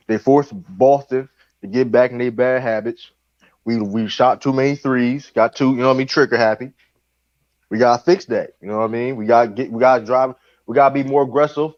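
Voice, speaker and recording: A man's voice: mid-range voice, brisk, no room sound. A man in the middle of a heated sports argument, cursing freely and cutting in on anyone who tries to speak. His voice sits in a middle register and sounds dry, with a slightly dull, muffled tone from the recording. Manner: animated, profane, talks over others. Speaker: call-in show regular.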